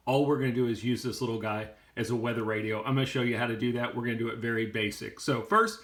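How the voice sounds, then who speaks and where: Guy doing a casual how-to, mid pitched voice, explains stuff plainly step by step. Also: steady tone, fast talker, fairly bright tone. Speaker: how-to video host.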